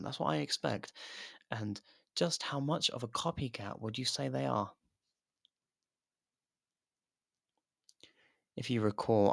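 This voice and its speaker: Guy doing a sardonic convict murderer, asmr roleplay, taunting and sweary, lowish creaky voice, super dry close mic. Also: a bit bright, no echo. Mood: smug, goading. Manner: taunting, mocking, casually profane. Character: sardonic imprisoned murderer reluctantly partnered with a detective.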